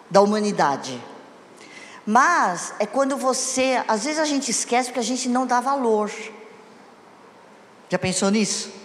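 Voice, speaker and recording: A woman's voice: a little high, slight background noise. A woman giving a conversational sermon on marriage to a congregation, often asking them questions. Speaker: church speaker. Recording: echoey hall with long reverb.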